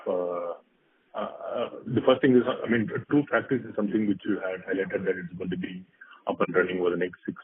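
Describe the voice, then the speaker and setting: An Indian man speaking as an analyst, asking questions on an earnings conference call. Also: low-pitched. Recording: narrow telephone conference line.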